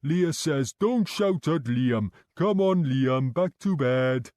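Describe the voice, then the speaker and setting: A childlike grown man in a care home, played by a male storyteller, speaking in short, blunt, mischievous bursts. The voice sits a little raised and pushed louder than the reader's own, with a soft, mellow tone. Dry and close. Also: medium pitch, animated, slow, no echo. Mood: cheeky. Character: childlike, simple-spoken adult male care home resident.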